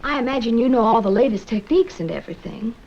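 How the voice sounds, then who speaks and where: A woman's voice: fairly high pitch, expressive, quick pace, darkish tone. An actress playing a trusting, admiring, chatty female patient in a 1970s educational film. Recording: muffled, hissy 1970s film soundtrack.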